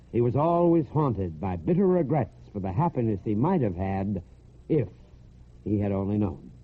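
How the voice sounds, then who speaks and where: A narrow, tinny old radio recording carries the voice of an American man. He hosts a military radio programme and tells scripted stories. His delivery is folksy and conversational, like a storyteller talking straight to the listener. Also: medium pitch.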